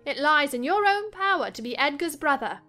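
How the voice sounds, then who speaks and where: A woman playing a spirited, mocking young gentlewoman in a dramatized audiobook, teasing theatrically. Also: high voice, animated, a little fast, faint music behind. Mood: gleeful mockery.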